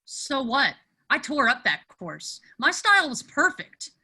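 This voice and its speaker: Woman reading as a bright, earnest teenage boy. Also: high voice, sing-song, unhurried, heavily acted. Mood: indignant. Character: earnest, heartbroken, lovelorn teenage boy skier. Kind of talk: comic screenplay table read.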